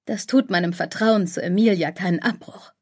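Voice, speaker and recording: A woman narrating a novel in the first person as a scripted audiobook reading, calm and measured. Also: fairly low pitch.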